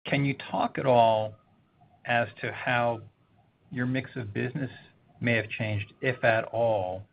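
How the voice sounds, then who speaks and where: A man's voice: mid-range voice, steady tone, takes it slowly, gravelly. A man working as a financial analyst, putting wordy, roundabout questions to executives on an earnings call. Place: conference call. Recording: dull call line with faint noise.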